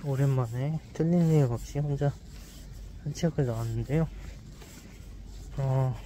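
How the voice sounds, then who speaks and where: Male vlogger with a mellow, dark voice, speaking through a face mask while walking outside, chatting to viewers. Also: medium pitch, unhurried. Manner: chatty, addresses viewers directly. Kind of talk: casual vlog chat. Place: outdoors on a walk.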